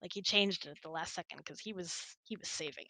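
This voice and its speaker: A woman's voice: lowish voice, fairly quick, pushed and bright, dry recording. A woman hosting, chatting casually and telling personal stories in a conversational way. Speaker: host.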